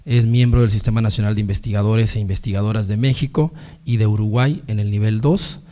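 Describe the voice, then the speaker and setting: Male moderator. Hoarse and sepulchral from illness, mellow dark tone, formal and halting. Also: on the low side, fairly even intonation. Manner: halting, frequent hesitations and repeated words. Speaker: moderator of a book presentation. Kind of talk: formal academic introduction, partly read out.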